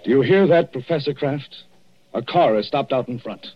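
A man playing a cool, steady doctor. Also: mid-range voice, moderate pace, close to an everyday voice. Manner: cool, firm, unshaken. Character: calm, defiant male doctor facing a killer. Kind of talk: 1940s radio acting. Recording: dull lo-fi vintage radio recording.

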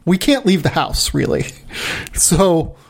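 A man's voice: fairly high pitch, big pitch swings, slow, vocal fry, breathy edge. A man hosting a podcast in casual chat, talking loosely and repeating words. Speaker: podcast host.

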